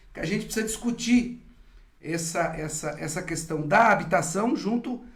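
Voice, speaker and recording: A high-pitched man's voice at a moderate speed, its pitch varying in an ordinary way, with audible echo from the room. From São Paulo, Brazil. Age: 50s. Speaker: union leader and live-stream host. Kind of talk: live-stream interview. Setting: online live stream. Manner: halting, with many repetitions.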